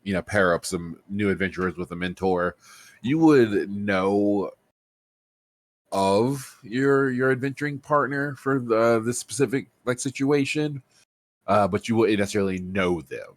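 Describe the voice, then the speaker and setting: Man, game master, very low voice, hesitant, lots of uhs and restarts, tabletop narration. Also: unhurried, no room sound. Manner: hesitant, many fillers and restarts.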